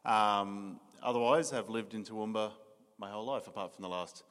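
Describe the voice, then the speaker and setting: A man's voice: lowish voice, moderate pace, fairly bright tone. A young Australian man giving his personal testimony in a church interview, earnest, with many ums and restarts. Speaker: new church staff member being interviewed. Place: church hall. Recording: reverberant church hall.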